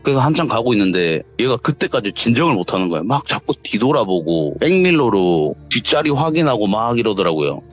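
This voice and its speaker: A man's voice: big pitch swings, brisk, hardly any pauses. A man, recounting a ghost story in casual talk and acting out the voices in it. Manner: acts out quoted lines, shouting in a raised pitch. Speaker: interviewee telling a true ghost story. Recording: dull lo-fi sound with faint music.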